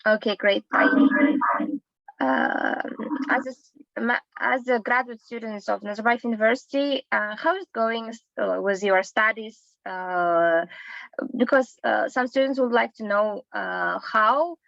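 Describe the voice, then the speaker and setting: Hesitant woman host with a gravelly voice. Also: a little high, a bit bright, no room sound, dull audio. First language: not English. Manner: many fillers and pauses, halting phrasing. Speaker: host, English teacher. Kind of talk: hesitant interview questions.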